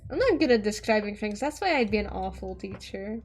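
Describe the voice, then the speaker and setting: A woman's voice: mid-range voice, expressive, brisk, faint music behind. A woman whose first language is Hungarian, rambling casually as she draws, trailing off mid-thought and swearing now and then. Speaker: artist streamer. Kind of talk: casual commentary while drawing.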